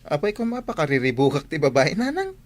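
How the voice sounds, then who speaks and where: An actor playing a hesitant, troubled, dutiful young son in an Ilocano radio drama. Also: male voice, on the high side, wildly swooping pitch, fast talker.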